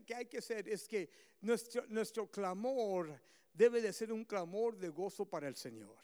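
A man with a very high voice delivers a fervent bilingual sermon, repeating each line in a second language. He speaks slowly and with a gravelly edge, and long reverb trails his words through the church. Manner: fervent preaching, rising to shouts. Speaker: pastor. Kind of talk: bilingual sermon, switching between phrases.

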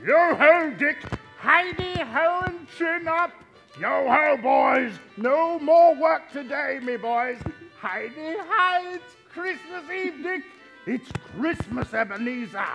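A man's voice: very high voice, animated, slow pace, creaky, bright, forceful tone, heavily acted. A man playing a jolly, boisterous old warehouse master in a stage radio play. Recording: live stage recording, music underneath.

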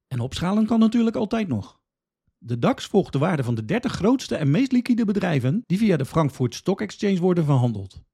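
A man's voice: fairly high pitch, warm tone, breathy edge. A man from the Netherlands, hosting a podcast with scripted, instructional explanations addressed directly to the listener. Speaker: podcast host.

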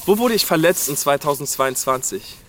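A man's voice: fairly high pitch, expressive, normal speed, a bit bright, a little hiss or hum. A man from Berlin preaching a sermon and speaking directly to listeners, urging them with frequent calls of "hey". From Berlin, Germany. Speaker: pastor. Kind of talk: New Year sermon.

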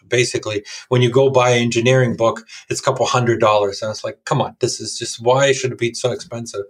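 A middle-aged man from Serbia, a company founder, telling his life story casually in an interview. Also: medium pitch.

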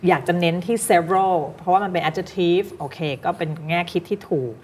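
Thai woman teaching pronunciation, low voice. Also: steady tone, moderate pace, a little mellow. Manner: chatty, laughs often, mixes English terms into Thai. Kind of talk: friendly classroom coaching.

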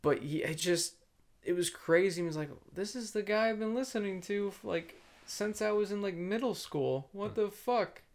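A man's voice: high-pitched, moderate pace. A young man co-hosting a podcast in casual chat, joking, swearing and laughing easily. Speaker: podcast co-host.

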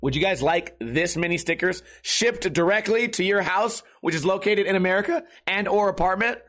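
A hoarse man hosts a livestreamed podcast, his voice sitting high for a man. He rambles loosely and swears freely in easygoing chat. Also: moderate pace, fairly bright tone. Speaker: podcast and stream host.

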